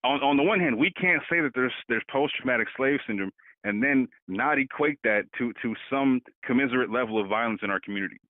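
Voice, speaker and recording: Male co-host, middle-pitched, animated talk-show arguer, dry phone-line sound. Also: a little fast, no room sound. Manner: animated, repeats words while building a point. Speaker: podcast co-host. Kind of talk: casual political discussion.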